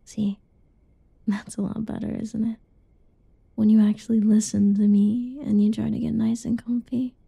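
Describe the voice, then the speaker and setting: A young woman doing a whispered ASMR roleplay in a soft, teasing whisper, recorded close and dull. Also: a little high, level tone, moderate pace, creaky, husky, no echo.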